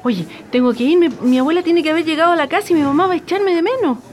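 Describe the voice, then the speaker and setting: A woman playing a nervous teenage girl, high voice. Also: quick pace. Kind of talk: radio drama acting.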